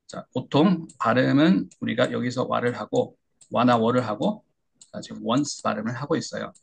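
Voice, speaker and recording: A man teaching English pronunciation in an online lecture, explaining step by step with frequent hesitation fillers and modeling words with exaggerated pitch. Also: normal speed, vocal fry, husky.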